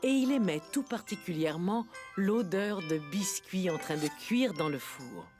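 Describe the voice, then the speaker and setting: A woman narrating a children's cartoon in a gentle, expressive storytelling manner. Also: mid-range voice, normal speed, over music.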